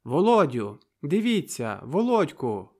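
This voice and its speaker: An excitable young woman blurts out lines in a raised, breathless voice, as a male audiobook reader puts her on. She sounds impulsive and flustered, pitched a little above his reading voice. Soft music sits faintly behind the storybook reading. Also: takes it slowly, full character voice. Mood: playful.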